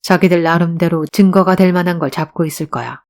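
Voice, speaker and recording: A woman voicing a tall, composed young male detective who speaks in a cold, measured way in an audiobook drama. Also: fairly low pitch, a little mellow, lightly acted.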